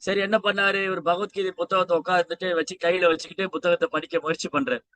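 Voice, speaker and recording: A man's voice: high-pitched, level tone, fast, a bit bright. A man preaching a sermon with a Tamil accent, telling a devotional story and acting out the dialogue of its characters. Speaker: Vaishnava preacher.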